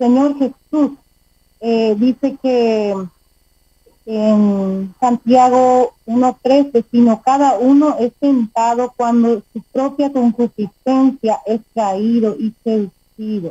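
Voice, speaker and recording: The delivery is very slow, with ordinary pitch variation. The background is quiet and the sound is dry, with no echo. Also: woman, high pitch for a woman. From Paraguay. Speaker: church member sharing. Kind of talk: religious testimony sharing. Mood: earnest, calm. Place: home room. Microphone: video call.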